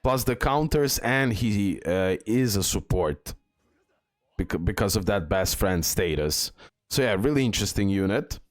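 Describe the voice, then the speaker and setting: A man's voice: fairly low pitch, animated, unhurried, no room sound. A man talks through a mobile game's new characters in loose, rambling commentary. He repeats himself often and fills gaps with "uh". The recording is close and completely dry. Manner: rambling, repeats words, many fillers. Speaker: gaming video host. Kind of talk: casual game commentary.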